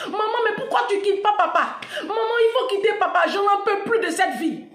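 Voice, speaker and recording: A woman voicing a distressed little girl who begs her mother, in a high, pleading voice that is half laughing. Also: moderate pace, fairly bright tone. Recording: echoey room.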